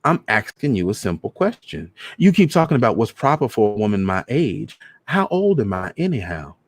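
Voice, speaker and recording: A man's voice: on the low side, sing-song, normal speed, dry recording, studio quality, voice pushed up. A man voicing a feisty, proud middle-aged mother who talks in a sassy, plain-spoken, colloquial way. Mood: challenging.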